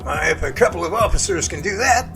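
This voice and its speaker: A man's voice: sits high, lively intonation, quick pace, sharp tone, faint music behind, full character voice. A man playing a genial middle-aged professor in an amateur audio drama, with courteous, folksy phrasing. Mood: approving. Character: genial middle-aged professor running a Bigfoot research center.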